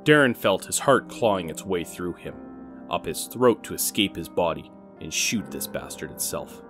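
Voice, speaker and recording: A man's voice: low-pitched, animated, normal speed, a bit bright, faint music behind. A man giving a dramatic scripted narration as the narrator of an audio story.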